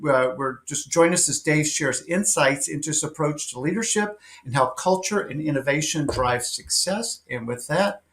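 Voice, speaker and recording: A talk show host opens an interview on a video call by reading his guest's introduction. He then moves into eager, affirming conversation peppered with ums and uhs, his voice on the high side and a bit bright.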